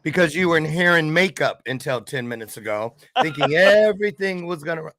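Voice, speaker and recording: A man's voice: fairly high pitch, lively intonation, brisk, a bit bright, no echo, clean studio sound. A man hosting a casual video chat show, asking playful, teasing questions. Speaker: show host. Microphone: video call.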